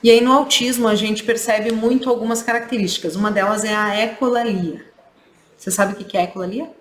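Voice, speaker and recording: A woman's voice: fairly high pitch, steady tone, fairly quick. A woman clinician giving a training lecture, explaining points and checking in with tag questions. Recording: echoey room with faint ambience.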